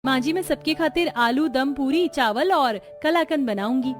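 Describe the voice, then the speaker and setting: Brief: woman as an earnest, assertive young bride, slightly high voice. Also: normal speed, lightly acted. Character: modest young bride, firm and outspoken.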